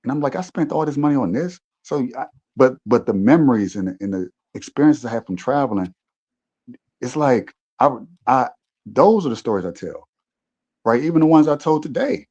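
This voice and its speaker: A man's voice: mid-range voice, expressive, moderate pace, a little mellow, dull audio. A man in a casual podcast chat, talking reflectively, with frequent restarts. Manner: reflective, rambling with many restarts. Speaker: podcast co-host.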